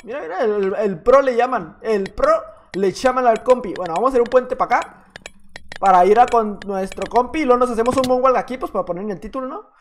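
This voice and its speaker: A man's voice: very high voice, brisk, background noise. A man with a Mexican accent giving playful, teasing gameplay commentary as a gaming YouTuber. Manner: playful, teasing, jokey banter.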